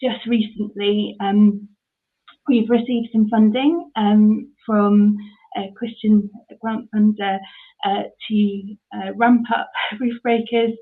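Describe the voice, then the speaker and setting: A woman, answering interview questions about her charity work with many ums and restarts. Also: mid-range voice. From mid Devon, England. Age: 30s. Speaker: charity ministry worker. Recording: tinny phone-like line.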